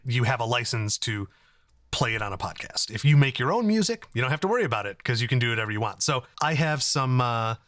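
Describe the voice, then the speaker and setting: A man in his thirties hosting a casual software tutorial, explaining things in a conversational way. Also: mid-range voice, no room sound, studio quality. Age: 30s. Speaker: tutorial host.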